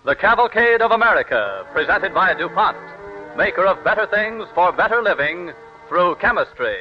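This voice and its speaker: A man's voice: sits high, very animated, moderate pace, over music. A man announcing and narrating a vintage radio drama in a formal, declamatory manner. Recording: muffled vintage radio broadcast with orchestra.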